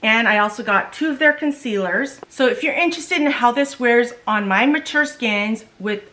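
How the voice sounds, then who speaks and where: A woman's voice: a little high, bright, forceful tone. Chatty middle-aged woman beauty vlogger. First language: Korean. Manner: chatty, loses words and restarts. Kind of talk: casual makeup tutorial chat.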